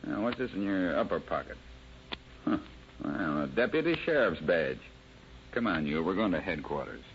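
An actor playing a tough, brusque American beat cop in a 1930s radio crime drama, clipped and commanding. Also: male voice, deep voice, sing-song, normal speed. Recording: dull, noisy old radio recording.

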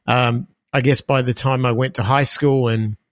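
A man's voice: medium pitch, level tone, normal speed, no echo. Australian man, mid-fifties, podcast guest, rambling with fillers, dry close recording. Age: 50s. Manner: rambling, self-deprecating, many fillers. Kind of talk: casual interview storytelling.

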